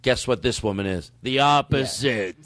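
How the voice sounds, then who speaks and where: A man on a comedy podcast, energetic and storytelling in improvised chat, laughing as he goes. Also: mid-range voice, moderate pace, no room sound.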